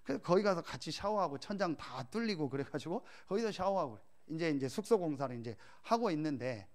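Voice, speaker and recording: Brief: male pastor, high voice, storytelling sermon with loud, emphatic rhetorical questions. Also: big pitch swings, fairly quick.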